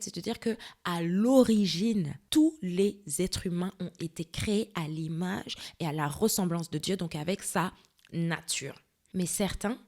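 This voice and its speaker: A young woman hosting a faith-based self-help podcast, talking straight to the listener and often checking in with a quick question. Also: on the low side, a little mellow. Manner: conversational, addresses listener directly with frequent "ok?" and "tu vois". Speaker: podcast host.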